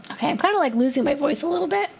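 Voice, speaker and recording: Chatty high-voiced woman streamer. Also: expressive, fast, creaky, darkish tone. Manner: chatty, many filler words, thinks aloud. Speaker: streamer answering viewer questions. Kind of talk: casual live-stream Q&A.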